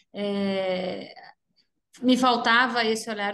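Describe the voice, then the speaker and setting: With a southern Brazilian accent, a woman talks in a fairly high voice using fairly even intonation. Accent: gaúcho Brazilian Portuguese. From southern Brazil (Rio Grande do Sul). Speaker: HR executive. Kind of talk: panel interview.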